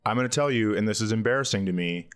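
A man's voice: on the low side, racing, smooth. A man who hosts a comedy podcast, telling casual, self-mocking stories and giggling through them. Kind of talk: casual comedic banter and storytelling.

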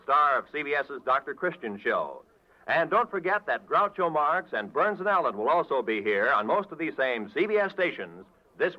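Casting: male announcer for old-time radio, higher-pitched, scripted delivery, slightly dull vintage sound. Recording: muffled old radio broadcast.

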